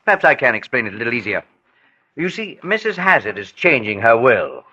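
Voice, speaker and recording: An actor playing a polite, formal family attorney explaining a will in 1940s radio drama style. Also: male voice, mid-range voice, sing-song, sharp tone, dull audio. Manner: formal, measured. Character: polite family attorney, middle-aged man.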